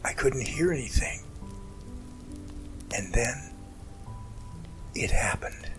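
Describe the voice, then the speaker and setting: A man acting in an amateur audio drama as an emotional man haltingly recounting a rescue that overwhelmed him. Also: mid-range voice, animated, in a whisper, over music. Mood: shaken, intense.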